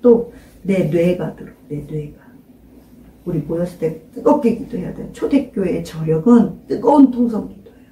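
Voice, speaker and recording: A woman's voice: fairly low pitch, animated, normal speed. Emphatic older woman pastor, roomy echo. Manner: emphatic, questioning listeners, urging loud prayer. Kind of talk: informal sermon to a small congregation. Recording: roomy echo, mic at a distance.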